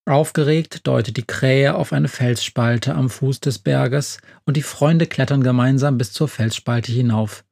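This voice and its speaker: A man narrating a children's audio story in a lively storytelling manner. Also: mid-range voice, gravelly, no room sound, studio quality.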